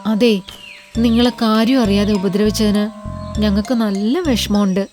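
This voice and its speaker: A woman voicing a gentle, remorseful animal in a children's cartoon. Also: mid-range voice, fairly even intonation, normal speed, over music, natural voice.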